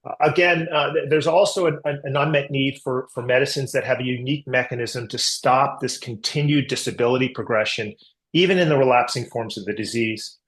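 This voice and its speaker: A man speaking as a company executive on an earnings call, explaining medical and market matters in measured corporate language. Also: mid-range voice, fairly bright tone. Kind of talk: earnings call answers, business presentation.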